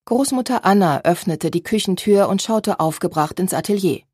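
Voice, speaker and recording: A woman reading an audiobook as narrator, in a measured, even manner. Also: mid-range voice, husky, no echo, clean studio sound. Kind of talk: scripted narration.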